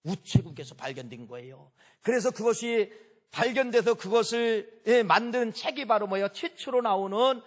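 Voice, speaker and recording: A man's voice: sits high, animated, normal speed, in a large hall. A male pastor preaching a sermon, emphatic, repeating key phrases and putting questions to the congregation.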